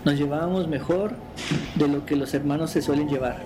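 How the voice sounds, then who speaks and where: A man's voice: on the high side, a little fast, background noise. A man hosting a podcast, chatting casually and reading stories aloud. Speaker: podcast host.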